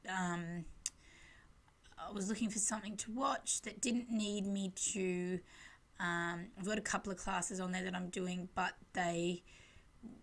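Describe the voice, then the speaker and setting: A woman's voice: lowish voice, steady tone, measured pace. A woman giving a casual, chatty and rambling scrapbooking voice-over as the host, with a self-deprecating way of talking. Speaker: craft channel host.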